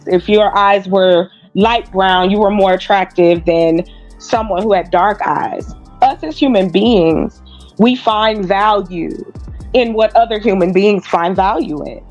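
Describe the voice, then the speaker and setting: A woman speaking on a live panel, measured and earnest, making her points step by step. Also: medium pitch, darkish tone, dull audio.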